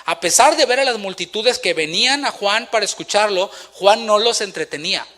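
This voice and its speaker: A man's voice: sits high, lively intonation, fairly quick, bright, forceful tone. A man preaching a sermon as pastor in a church, asking rhetorical questions and acting out the quotes he tells.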